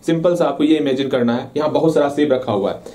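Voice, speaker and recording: A man's voice: mid-range voice, fast talker, warm tone. A man teaching a casual revision lesson, playfully repeating key terms and asking and answering his own questions. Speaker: science teacher.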